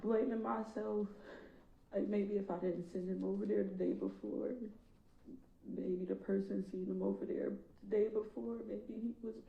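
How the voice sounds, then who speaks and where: A woman's voice: mid-range voice, fairly even intonation, normal speed, gravelly, dull audio, slight background noise. A middle-aged woman, a victim's mother, giving a raw, emotional impact statement in a courtroom and speaking straight to the defendant. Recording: echoey courtroom from far off.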